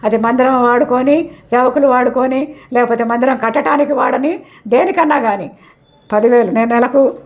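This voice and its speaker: Older woman, earnest faith testimony, repeats phrases, higher voice, muffled lo-fi sound. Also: moderate pace. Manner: earnest, repetitive storytelling. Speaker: church member giving testimony. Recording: dull lo-fi recording.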